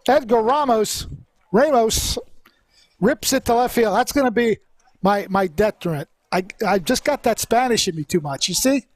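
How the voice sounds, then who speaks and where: A man's voice: high-pitched, moderate pace, no echo. A man doing live play-by-play commentary of a baseball game in a conversational manner.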